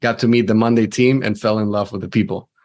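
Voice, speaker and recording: A man's voice: fairly low pitch, fairly even intonation, fast, a little mellow. A man from Venezuela, a sales leader, talking casually as an interview guest with frequent restarts.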